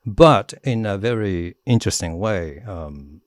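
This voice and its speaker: A middle-aged Japanese man with a Japanese accent, a guest author chatting in an interview, animated and laughing often as he demonstrates voices. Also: deep voice, measured pace, dry recording, clean studio sound. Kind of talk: casual interview talk.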